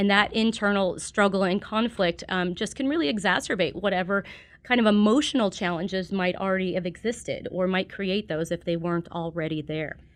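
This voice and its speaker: In a normal speaking voice, a woman talks at a fairly quick pace with ordinary pitch variation and hardly any pauses over a quiet background. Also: medium pitch for a woman. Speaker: behavioral health specialist. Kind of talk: interview.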